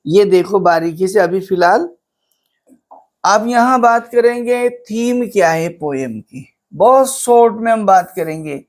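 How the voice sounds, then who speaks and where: High-voiced, slow-paced Indian male teacher. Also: animated. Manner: explains step by step, asks and answers his own questions, calls students "children"; slows right down on English phrases, mixing Hindi and English. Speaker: English teacher. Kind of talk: classroom lecture on a poem.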